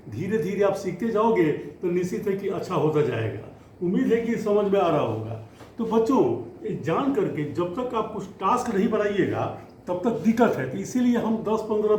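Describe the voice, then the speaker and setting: A man teaching Hindi grammar to students, explaining slowly and often stretching out words as he goes. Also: sits high, a little mellow, slight background noise. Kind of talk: classroom lesson. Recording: echoey room, faint ambience.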